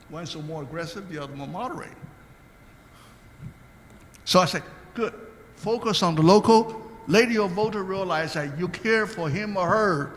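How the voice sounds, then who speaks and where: An older man from Taiwan, a state commissioner, answers questions as a guest on a panel in a reverberant hall. He speaks earnestly, telling anecdotes with hesitant restarts. His voice is high and fairly bright.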